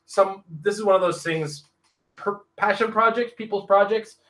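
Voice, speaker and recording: A man's voice: high-pitched, normal speed, a bit bright. A man co-hosting a podcast, chatting casually and telling easygoing stories about gaming. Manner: easygoing storyteller. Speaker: podcast co-host. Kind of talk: casual chat.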